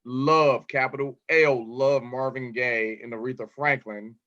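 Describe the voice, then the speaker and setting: A man's voice: medium pitch, fairly even intonation, a little slow, a bit bright. A man hosting a podcast interview, chatty and proud of his home town. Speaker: podcast host. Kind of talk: casual interview chat. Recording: slightly dull lo-fi audio.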